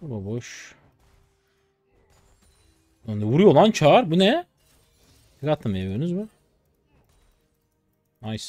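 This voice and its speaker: Animated young man commenting on his game. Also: takes it slowly, pauses often, no room sound, soft background music. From Turkey. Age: 20s. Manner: chatty and excitable, slangy trash talk with bursts of high-pitched shouting. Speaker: game streamer. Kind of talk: live gameplay commentary.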